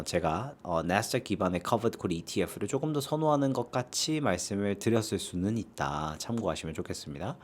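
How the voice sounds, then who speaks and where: A man with a fairly low voice speaks through a sore throat, casually answering viewer questions as the host of an investing channel. His pitch moves around a lot, and he keeps tossing in little rhetorical tag questions.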